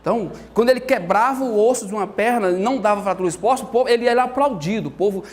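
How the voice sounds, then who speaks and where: High-voiced, animated male Bible teacher. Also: rapid-fire. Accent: Brazilian Portuguese. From Brazil. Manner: animated storytelling, acts out quotes. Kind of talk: lively church teaching talk.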